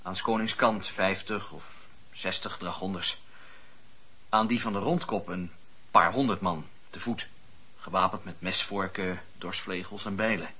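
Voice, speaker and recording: An actor playing a fervent, earnest wandering preacher of the seventeenth century, declamatory, in a radio drama. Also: male voice, low-pitched, steady tone, bright, forceful tone, slightly rough, full character voice. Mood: earnest, assured. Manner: declamatory, impassioned storytelling with dramatic pauses. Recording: dull, lo-fi radio play recording.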